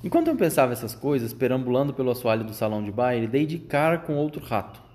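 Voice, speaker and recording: A man of medium pitch reading a storybook aloud to a child. He narrates plainly and asks the listener gentle questions between passages. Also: big pitch swings, fast talker.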